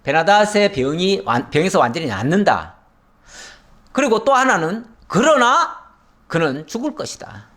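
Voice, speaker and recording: A male pastor giving an expository Bible sermon, telling the story vividly and acting out the characters' questions, with phrases that drop low and soft at the ends. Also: moderate pace. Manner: animated storytelling, acts out dialogue with rising pitch.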